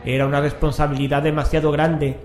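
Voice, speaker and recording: Higher-voiced man solemnly narrating horror. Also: flat delivery, a little fast. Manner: solemn, dramatic. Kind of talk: scripted horror story narration. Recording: echoing, music underneath.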